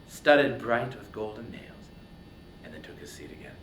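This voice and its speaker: A man giving a dramatic literary narration of epic poetry, theatrical, with phrases falling to a hush. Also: very animated, moderate pace. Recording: roomy echo, faint rumbling noise.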